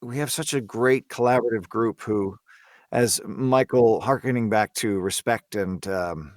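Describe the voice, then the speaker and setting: A man chatting casually as a podcast team member, earnest and often halting as he searches for his words. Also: fairly low pitch, dry recording, studio quality. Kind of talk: casual chat.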